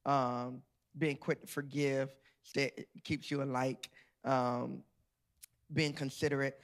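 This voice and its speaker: A man's voice: mid-range voice, level tone, takes it slowly. A middle-aged man, telling a playful, laughing story to a live audience as a guest author. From Georgia, USA.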